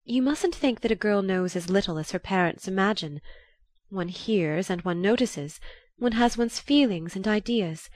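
A woman voicing a composed, dignified young society woman who speaks softly and earnestly. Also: mid-range voice, moderate pace, no room sound, close to an everyday voice.

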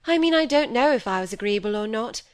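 A woman's voice: on the high side, expressive, fast, smooth, natural voice. A woman voicing a proud, impatient young woman who speaks sharply and curtly. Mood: rueful. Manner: sharp, curt.

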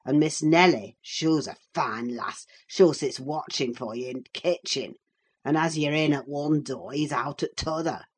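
A woman putting on a croaking sour old manservant. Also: low voice, a little slow. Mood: spiteful. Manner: croaking, spiteful. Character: grumbling sour old male servant.

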